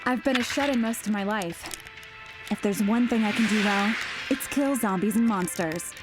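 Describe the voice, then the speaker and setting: A woman's voice: mid-range voice, moderate pace, loud music behind the voice, lightly acted. A woman acting in an audio drama as a friendly, sheltered young gamer with a casual, wry manner. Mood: playful. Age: young adult.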